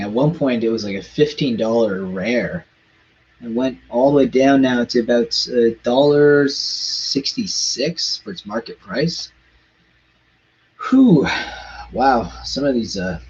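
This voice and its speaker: A man chatting casually on a live stream, rushing in quick bursts and stumbling over foreign words. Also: mid-range voice, lo-fi sound, a little hiss or hum. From Canada.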